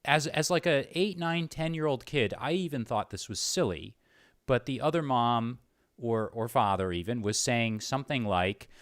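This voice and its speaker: Guy hosting a casual interview, medium pitch, kinda circles around what he's saying, super dry recording. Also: animated, moderate pace, a bit bright, dry recording. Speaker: interviewer, host.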